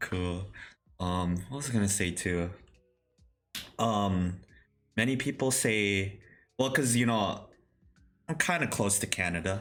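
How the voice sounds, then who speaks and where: Music in the background behind a man's fairly low voice, fairly slow pace, ordinary pitch variation and long, frequent pauses. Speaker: podcast host. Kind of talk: casual chat.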